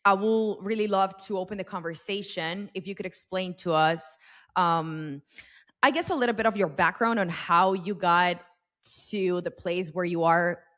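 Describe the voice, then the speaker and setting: A woman's voice: fairly low pitch, normal speed, a bit bright. A young adult woman hosting a podcast interview, chatting casually with plenty of fillers as she rambles toward her question. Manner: rambling, heavy use of fillers. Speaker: podcast host.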